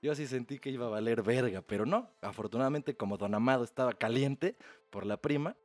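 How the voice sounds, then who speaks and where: Mexican man, podcast host, mid pitch, crude, animated storyteller, faint music bed. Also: fairly quick, no room sound. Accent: Mexican Spanish. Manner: crude slang-heavy, animated retelling. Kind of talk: casual storytelling chat.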